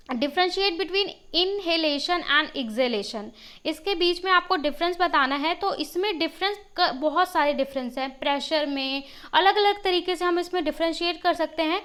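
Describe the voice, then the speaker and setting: A woman teacher with a sore throat reads English worksheet lines slowly, then explains them step by step, often asking students questions. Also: high voice, fairly bright tone. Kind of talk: worksheet lesson for school students.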